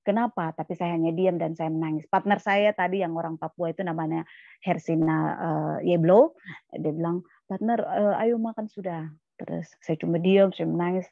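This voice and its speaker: A woman with a lowish voice tells her testimony to a church congregation, plainly and with many restarts. The recording is dry and a little muffled. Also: gravelly, warm tone, dry recording. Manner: plain storytelling, repeating words and restarting, quoting others. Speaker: guest speaker at a church service. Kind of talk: testimony sermon, storytelling.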